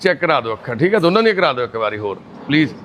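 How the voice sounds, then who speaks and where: A man chatting gently and reassuringly with residents of a shelter, greeting the women as mothers and sisters. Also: mid-range voice, very animated, racing, slight background noise. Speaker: charity volunteer visiting residents. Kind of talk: casual chat with care-home residents. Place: indoor shelter for destitute people.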